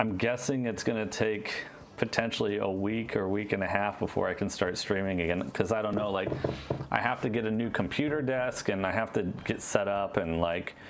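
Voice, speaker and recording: A man with an American accent speaks at a moderate pace over noticeable background noise. His fairly low voice shows ordinary pitch variation. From Southern California. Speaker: video game streamer. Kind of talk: casual live stream chat. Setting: live stream at home. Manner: loud; casual, filler-heavy.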